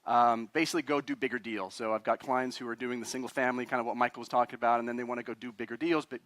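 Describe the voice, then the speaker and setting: Brief: 40s man from Chile, quick talker, dry close sound, addresses a live crowd with chatty questions. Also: medium pitch, steady tone, fairly bright tone, no echo. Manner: chatty, quizzes the audience, self-deprecating. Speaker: guest speaker, attorney. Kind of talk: live talk to a meetup audience.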